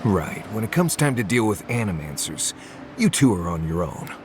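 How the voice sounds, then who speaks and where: An actor playing a suspicious, blunt wilderness guide in a video game, with dry, sardonic grumbling. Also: male voice, lowish voice, big pitch swings, moderate pace, noisy background. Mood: disdainful. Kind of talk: naturalistic video game dialogue.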